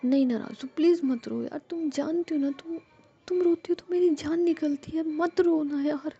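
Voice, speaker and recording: A woman's voice: sits high, fairly quick, warm tone, lo-fi sound, pitched above the performer's own voice. A woman voicing Jiya, a protective young woman who scolds and soothes her partner affectionately. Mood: scolding fond.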